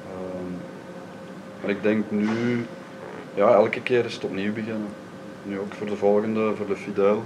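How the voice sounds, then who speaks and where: A man's fairly low voice in a Flemish accent, moderate pace, monotone, flat intonation, long, frequent pauses and noticeable background noise. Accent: Flemish Dutch. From Flanders, Belgium. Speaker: film director. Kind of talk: panel discussion. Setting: stage with audience. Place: hall.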